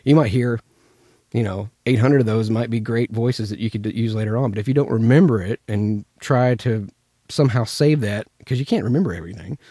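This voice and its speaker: Brisk and mellow, with a medium pitch, a voice actor from Memphis in the US shares anecdotes while teaching character voices in a casual instructional chat. The studio sound is clean, with no echo.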